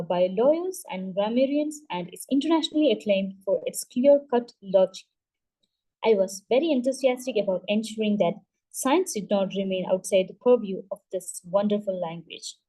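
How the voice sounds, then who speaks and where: A woman hosting a book club, reading a memoir aloud at a steady pace and now and then stumbling and restarting a word. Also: medium pitch, poor audio.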